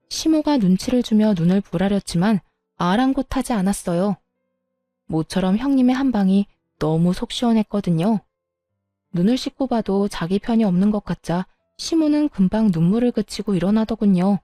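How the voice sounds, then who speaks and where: A woman's voice: medium pitch, mellow, dry recording, studio quality. A young woman narrating her own family story in a confiding, gossipy way.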